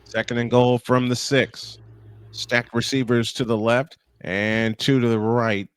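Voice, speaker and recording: A young man calling football plays in a steady play-by-play commentary style. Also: medium pitch, a little slow, clean tone, dry recording, clean studio sound. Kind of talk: live sports commentary.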